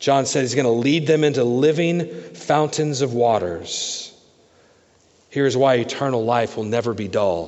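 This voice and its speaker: A man with a medium pitch and ordinary pitch variation talks at a moderate pace, with noticeable background noise and audible room echo around him. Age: 40s. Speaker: pastor. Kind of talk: sermon. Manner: halting.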